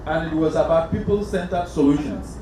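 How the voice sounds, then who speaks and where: A man's voice: fairly high pitch, fairly quick. A man from Cameroon moderating a panel discussion, asking probing, emphatic questions. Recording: echoey hall, distant mic, noisy.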